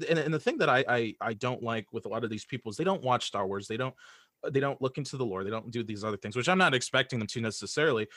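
A man chatting casually as an interview guest, speaking in an animated way and often stammering and restarting his phrases. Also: mid-range voice, dry recording, clean studio sound. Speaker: audio drama creator and writer, interview guest.

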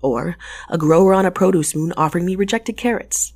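A wry, restless mail courier of the space lanes, in an audio drama. The voice sits a little low and has a husky grain. The delivery is conversational and sardonic, like someone muttering to themself. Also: female voice, brisk, a little mellow. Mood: wry, confiding. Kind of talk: audio drama acting with first-person narration.

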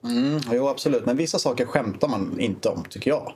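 Deadpan Swedish comedian man. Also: mid-range voice, slightly rough. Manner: deadpan, mock-serious advice. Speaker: comedian guest. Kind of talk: podcast chat.

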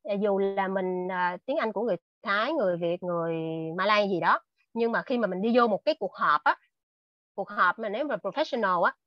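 A woman's voice: medium pitch, brisk, no room sound. A woman shares advice earnestly on a video call, restarting her sentences often. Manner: earnest, with many fillers and restarts. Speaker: invited speaker. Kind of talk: casual talk on a video call. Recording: dull lo-fi video call audio.

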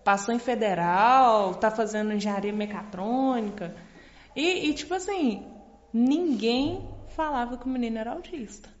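High-voiced young Brazilian podcast host. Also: female voice, lively intonation, normal speed. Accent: Brazilian Portuguese. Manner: earnest, repeating points for emphasis. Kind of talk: casual podcast chat. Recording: dull lo-fi recording with reverb.

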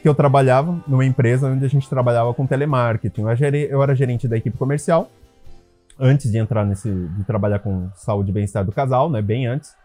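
A man's voice: brisk, faint music behind. A man speaking about relationships and jealousy in a casual storytelling monologue, speaking straight to his listeners and acting out quoted voices. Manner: lively, acts out quoted voices with big pitch jumps; conversational, many tag questions and fillers. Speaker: relationship and couples wellness speaker.

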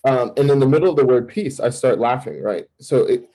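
Husky-voiced man telling his testimony. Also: mid-range voice, low-quality recording. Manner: animated storytelling, acting out his own past thoughts; fast bursts with restarts and fillers. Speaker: campus minister, podcast guest. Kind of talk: personal testimony in an interview.

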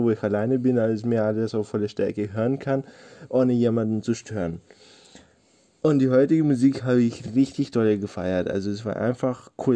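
Hesitant young man, dark low voice. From Ukraine. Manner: hesitant, many fillers. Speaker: guest. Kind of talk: casual chat. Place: in bed at home, late at night.

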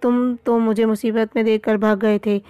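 A woman's voice: on the high side, flat delivery, warm tone, smooth, dry recording, natural voice. A woman voicing a foolish, quarrelsome man who scolds and bickers in a read-aloud storybook.

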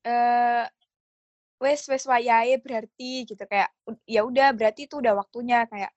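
Woman, high voice, dry close sound, animated storyteller, casual podcast chat. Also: a little slow, no room sound, dull audio, faint music behind. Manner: animated storyteller, acts out quoted dialogue. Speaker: podcast co-host.

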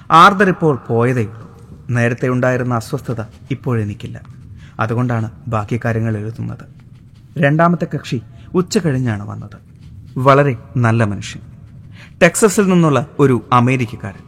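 A man narrating a literary audiobook, reading a letter in a measured, heartfelt way. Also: mid-range voice.

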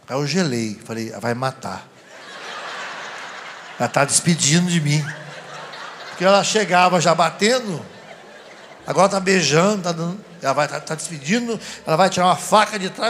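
A male preacher delivers a sermon through personal stories, animated and often laughing as he talks to a live audience. His voice sits a little high for a man. A faint hiss runs under the recording. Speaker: deacon preacher.

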